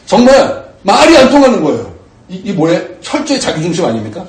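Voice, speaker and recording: Animated pastor preaching in a roomy hall. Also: male voice, high voice, fairly quick, far from the mic. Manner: animated storyteller, acts out quoted exchanges, asks rhetorical questions. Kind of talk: sermon with storytelling. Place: church sanctuary. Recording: roomy church hall, voice off-mic at times.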